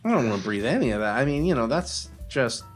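A man's voice: mid-range voice, lively intonation, fast, faint music behind. A man co-hosting a podcast in casual comic chat, bantering and arguing in mock protest. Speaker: podcast co-host.

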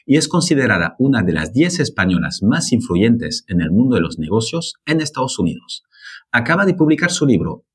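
Lively, husky male podcast host. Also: mid-range voice. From France. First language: French. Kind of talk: podcast introduction and interviewing.

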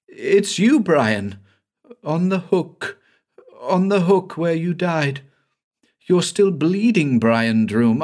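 A man's voice: fairly bright tone, heavily acted. A man doing a shrieking terrified haunted man. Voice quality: shrill, frantic. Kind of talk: dramatic audiobook reading.

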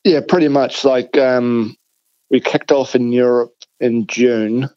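A man's voice: mid-range voice, fairly even intonation, slow pace, dark tone, no room sound. Chatty Northern Irish man, dry dull audio. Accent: Northern Irish, softened by years in New Zealand. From Northern Ireland. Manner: chatty, loose, many fillers like "like" and "sort of". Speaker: guest, farm machinery engineer. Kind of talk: casual interview chat.

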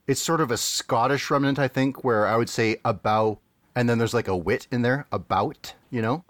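A man's voice: medium pitch, moderate pace, no echo. A Canadian man from British Columbia in a casual podcast talk, recorded close and dry with no room sound. He muses and hedges as he talks. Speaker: podcast co-host. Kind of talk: casual chat.

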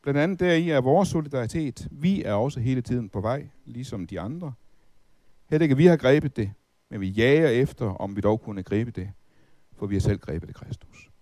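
A man's voice: mid-range voice, animated, mellow, no echo. A middle-aged man preaching a Bible teaching talk, asking rhetorical questions and reciting hymn verses.

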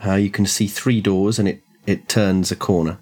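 A man acting as game master, describing a house layout with many pauses and ums. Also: sits low, steady tone, darkish tone. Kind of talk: describing a scene in a tabletop game.

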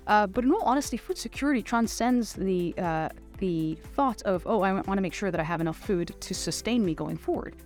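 A middle-aged woman from the United Arab Emirates giving conversational interview answers as a finance executive, often pausing and rephrasing as she goes. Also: medium pitch, animated, a little mellow, soft background music.

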